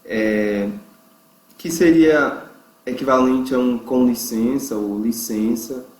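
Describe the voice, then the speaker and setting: A man from Brazil teaching an English lesson, explaining phrases and slowly drawing out example words for learners to repeat. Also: mid-range voice, a little mellow. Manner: slow, drawn-out pronunciation drills. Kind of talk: online language lesson. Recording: echoey room.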